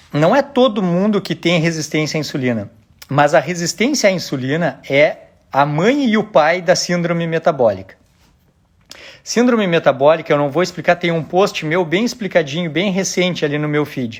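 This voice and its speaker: In a very clean recording with a silent background, a man with a high pitch speaks in an animated tone with lively intonation. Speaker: doctor giving health talk. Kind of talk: live-stream lecture. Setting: live stream. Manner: fast.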